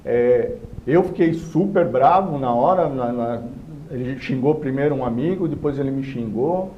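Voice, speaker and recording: A man telling a story in a lively, casual way and acting out the people in it. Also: mid-range voice, normal speed, a little hiss or hum. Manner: animated, acts out quoted voices. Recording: roomy, dull sound.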